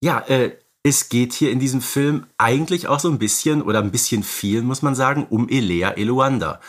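A man's voice: mid-range voice, normal speed. A man co-hosting a podcast in a studio, discussing films casually and dropping in tag questions that seek agreement. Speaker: podcast host.

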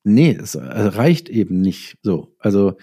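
A man's voice: fairly low pitch, big pitch swings, unhurried, creaky, warm tone, slightly rough. A man speaking as a guest in a casual interview, thinking aloud with repeated words and self-corrections.

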